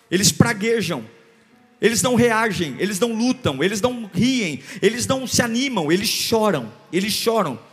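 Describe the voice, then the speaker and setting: A man preaching a sermon, swinging between loud bursts and hushed, repeated phrases. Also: high-pitched, long reverb tail. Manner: rhythmic repetition, calls for congregation to repeat. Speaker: pastor.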